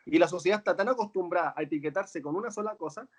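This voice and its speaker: A man's voice: sits high, fast talker. A man, a coach and author, talking earnestly and reflectively in a conversation, often checking in with "¿verdad?". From Chile. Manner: earnest, tags phrases with "¿verdad?".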